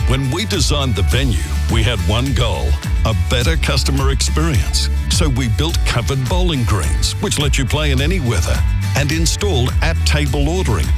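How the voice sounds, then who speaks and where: Lively male ad voice. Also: medium pitch. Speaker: ad voice-over. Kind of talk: scripted radio ad.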